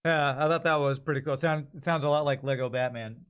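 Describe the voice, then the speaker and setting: A man's voice: on the high side, fairly even intonation, brisk, a bit bright, clean tone. Casual man chatting on a livestream. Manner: informal, thinking aloud. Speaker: livestream host. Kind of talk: casual chat to stream viewers.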